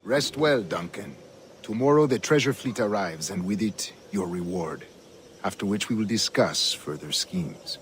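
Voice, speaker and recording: An actor playing a scheming older Templar governor, measured and solemn, often dropping to a hush. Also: male voice, fairly low pitch, expressive, slight background noise. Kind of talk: video game cutscene acting. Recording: game audio over music.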